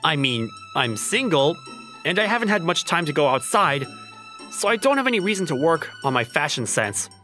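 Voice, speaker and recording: Awkward single young man, played by a male actor, wry and self-questioning, animated delivery for a manga romcom. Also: fairly high pitch, normal speed. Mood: resigned, hesitant. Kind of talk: manga dub acting and narration. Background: music.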